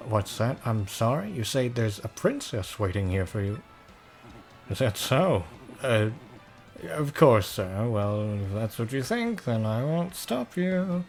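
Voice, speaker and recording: A man's voice: big pitch swings, a little mellow, soft background music. A man voicing a grave ship captain who warns his passenger. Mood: ominous. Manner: low, measured, ominous.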